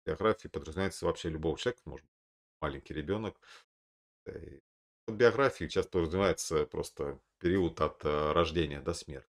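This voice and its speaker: A man in his thirties with a very low voice and a gravelly, creaky edge. He talks casually to a webcam from a room indoors, rambling on, often losing his thread and correcting himself. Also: fast. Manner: rambling, with many fillers and self-corrections. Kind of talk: casual film recommendations to camera. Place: indoor room, seated at a desk.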